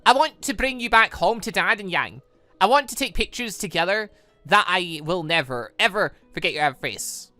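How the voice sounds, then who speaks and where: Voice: medium pitch, expressive, moderate pace, bright, forceful tone, no room sound, soft background music. A game streamer playing an emotional young daughter in a visual novel, speaking in an earnest, pleading way.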